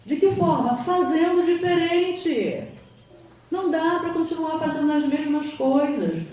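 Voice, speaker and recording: A woman's voice: high voice, expressive, unhurried, dark tone. A woman giving an emphatic spiritual lecture, sometimes acting out quoted voices. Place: lecture hall. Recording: roomy hall from far off, faint ambience.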